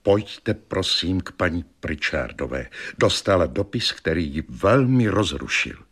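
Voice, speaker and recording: A man's voice: low-pitched, sing-song, a bit bright, husky, heavily acted. A man voicing a sensible older nurse in a read-aloud story, speaking in a level-headed, matter-of-fact way.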